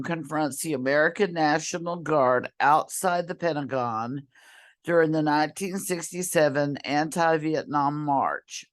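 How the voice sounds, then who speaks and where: Brief: hoarse woman, voice half gone, slow unhurried screen-share tutorial, throat clearing, computer mic. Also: sits low. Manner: slow, halting, clears throat often, apologetic. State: losing her voice, hoarse and whispery. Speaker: college librarian or instructor.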